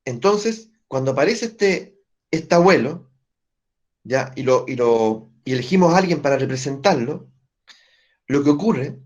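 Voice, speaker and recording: Higher-voiced man teaching a group. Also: a little mellow. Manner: checks in with listeners through frequent tag questions. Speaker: family constellations teacher. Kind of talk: explanatory talk to a group. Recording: dull lo-fi recording.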